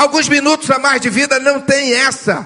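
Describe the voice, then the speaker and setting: This man's raised, projected voice sits at an extremely high pitch, moving at a fairly slow pace with monotone, flat intonation. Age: 60s. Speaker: pastor. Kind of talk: sermon. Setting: church.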